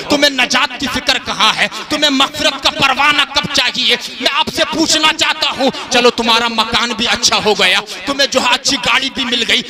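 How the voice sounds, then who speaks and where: A man delivers a rousing, repetitive Islamic sermon, exhorting his listeners and calling on them to respond. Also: very high voice. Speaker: Islamic preacher. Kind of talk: rousing religious sermon to a gathering. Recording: live gathering with crowd noise.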